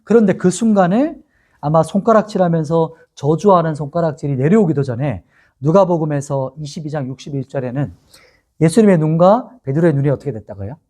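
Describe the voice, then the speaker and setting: A man's voice: a little high, brisk. A middle-aged male pastor from the Gyeongsang region of Korea preaching a sermon, telling the story vividly and acting out what people said. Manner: animated storytelling, acting out quoted lines.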